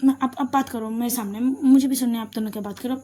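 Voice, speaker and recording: A woman's voice: fairly high pitch, steady tone, quick pace, mellow, lightly acted. A woman voicing a frightened younger sister who stammers and pleads in a spoken love story. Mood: pleading.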